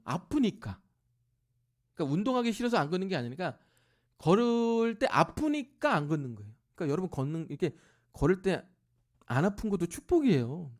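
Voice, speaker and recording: A middle-aged man preaching as a pastor, telling a personal family story and acting out voices, sometimes dropping to a near-whisper. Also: fairly high pitch. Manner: acts out family members' voices in lively bursts, drops to near-whisper at tender moments. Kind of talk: sermon storytelling. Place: church sanctuary.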